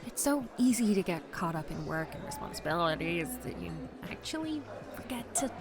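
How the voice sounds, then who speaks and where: Casting: young female vlogger, doting but nagging best friend, very animated, coaxing and teasing, audio drama with music underneath. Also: fairly low pitch, fairly quick. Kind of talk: naturalistic audio drama dialogue.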